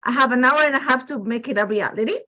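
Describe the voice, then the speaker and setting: A woman with an Ecuadorian Spanish accent chats her way through a live crafting stream from home, her voice sitting a little on the high side. Her talk wanders, packed with "like, you know" fillers. The sound is a bit muffled and dull, like a home live stream. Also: fast talker, bright, forceful tone. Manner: rambling and chatty, full of "like, you know" fillers. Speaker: design team member hosting a live crafting demo. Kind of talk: casual live-stream chat.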